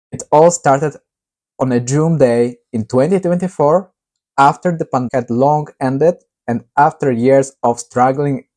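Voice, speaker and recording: Guy reading his own novel out loud, warm mellow tone, steady with lots of little pauses. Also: medium pitch. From Poland. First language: Polish. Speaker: author.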